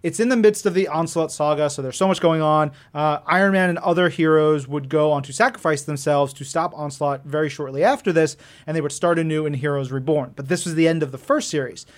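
A man with a fairly high voice hosts a chatty podcast. He speaks effusively, leaning hard on emphatic words and tossing in casual slang as he goes. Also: brisk, hardly any pauses. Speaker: podcast co-host. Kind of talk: enthusiastic comics chat podcast.

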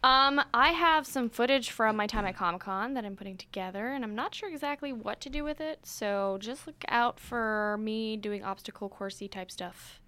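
A woman talks casually on a podcast panel. Her voice is slightly high, bright and clean, and her manner is loose and giggly. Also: moderate pace, hardly any pauses, smooth, no echo. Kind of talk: casual chat.

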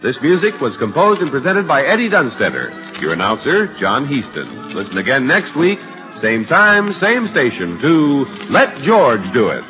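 Old radio announcer, band-limited, lively pitch. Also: male voice, normal speed, dull audio, music in the background. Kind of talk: old-time radio announcer reading scripted sponsor copy and credits.

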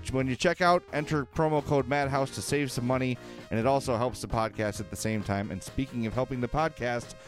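An American man hosting a sports podcast in a conversational style. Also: medium pitch.

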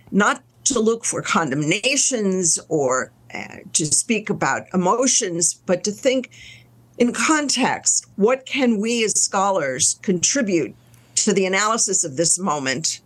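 A woman professor of Jewish studies, speaking as an interview guest in a measured, academic way. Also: medium pitch, very animated.

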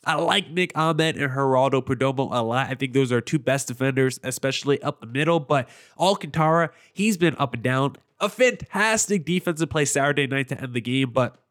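Talking fairly quickly in a mid-range, fairly bright voice, the podcast host offers casual sports commentary. He's a young man whose allergies leave him sounding nasal and congested, and he rambles in a chatty, opinionated way.

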